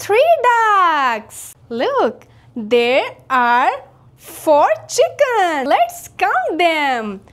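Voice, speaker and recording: A young woman presenting a children's educational lesson in a bright, sing-song, exaggerated cheerful manner, like an educational toy. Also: high voice. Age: young adult. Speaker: children's counting lesson host.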